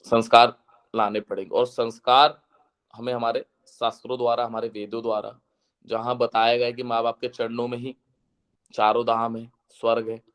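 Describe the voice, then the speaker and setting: A man giving an earnest devotional lecture to a seated audience, his voice slightly hoarse, slowing into a chant when he recites verses. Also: medium pitch, monotone, fairly bright tone. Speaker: guest speaker.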